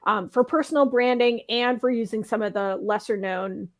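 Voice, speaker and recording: A woman hosts a casual panel chat with a slightly hoarse, somewhat high voice. She is chatty and laughs often. She keeps throwing rhetorical questions out to the panel. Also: normal speed. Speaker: talk show host.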